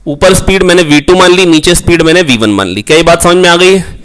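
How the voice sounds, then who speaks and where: A man's voice: a little high, fast talker, a bit bright, clear, resonant tone. Coaxing man teaching physics. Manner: coaxing, repeats key points, calls students "beta"; asks rhetorical questions, prompts answers. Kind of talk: online exam-prep lecture.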